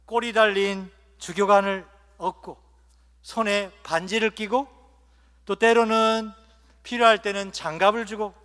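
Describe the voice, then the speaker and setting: A man preaching as a bishop at an ordination, telling humorous stories and letting his phrases trail off softly at their ends. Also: sits high. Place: large cathedral. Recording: long cathedral reverb.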